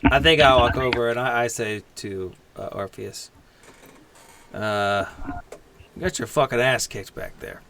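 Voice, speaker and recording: A man's voice: medium pitch, unhurried, a bit bright, slight background noise. A man hosting and playing on a casual tabletop roleplay podcast, talking in an informal, jokey way. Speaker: podcast host and player.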